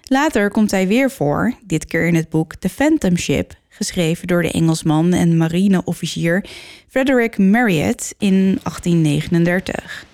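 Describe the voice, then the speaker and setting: A woman narrating a legend as a storyteller, reading in a measured, dramatic way. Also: lowish voice, darkish tone, no room sound. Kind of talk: scripted narration.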